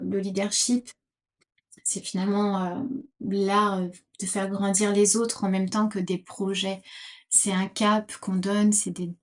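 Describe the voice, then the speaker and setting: A woman's voice: mid-range voice, a little mellow. A middle-aged woman from Portugal answering interview questions thoughtfully, with many fillers and restarts. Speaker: podcast guest.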